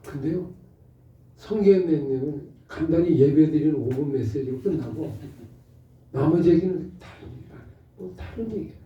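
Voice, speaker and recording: A middle-aged male pastor giving an animated Bible study, asking rhetorical questions and acting out short exchanges. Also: a little high, fairly quick, a little hiss or hum. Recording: muffled roomy audio from a distant mic.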